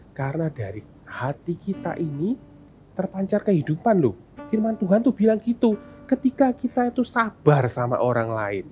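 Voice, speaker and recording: Lively children's sermon teacher, swooping voice, soft guitar music behind. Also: mid-range voice. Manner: animated, asks kids questions.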